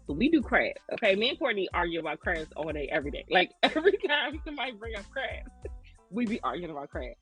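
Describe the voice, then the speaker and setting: Animated woman with African American English accent. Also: medium pitch, quick pace, slightly rough, soft background music. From Maryland, United States. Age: 30s. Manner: animated, slangy, joking. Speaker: podcast co-host, lactation consultant. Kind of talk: casual conversational storytelling.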